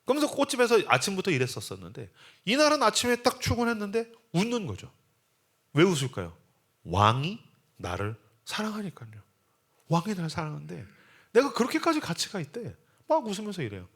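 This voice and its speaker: Guy preaching at a revival, bright forceful voice, super lively up-and-down delivery, acts stuff out. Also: high voice, fairly quick. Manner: animated storytelling, acts out scenes. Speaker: guest preacher at a revival meeting. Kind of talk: sermon.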